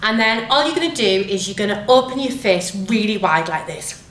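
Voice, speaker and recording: A woman drama teacher guiding a physical warm-up step by step, with simple, repeated, encouraging instructions. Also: medium pitch, expressive, moderate pace, slight background noise. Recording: echoey room, distant microphone.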